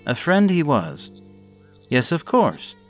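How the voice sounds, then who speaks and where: Slow, lively-pitched male horror narrator. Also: soft background music. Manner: slow, measured, expressive reading. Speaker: storyteller. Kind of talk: scripted horror story narration.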